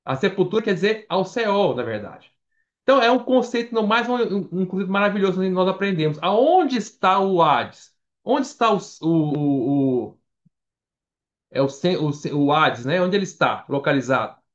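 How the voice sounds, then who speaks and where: A man's voice: high-pitched, expressive, moderate pace. A Brazilian man preaching a Bible study at church, conversational, reading scripture aloud between casual remarks. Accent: Brazilian Portuguese. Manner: conversational, reads scripture aloud, frequent fillers. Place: church meeting hall. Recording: dull lo-fi church recording.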